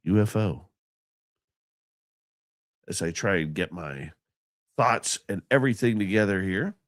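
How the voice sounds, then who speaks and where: Congested and stuffy-nosed as if just woken up, a man hosts a live radio stream, rambling loosely and affectionately greeting viewers by name as he reads out the chat. His voice is low, animated and a little slow. The studio-quality recording has no room sound.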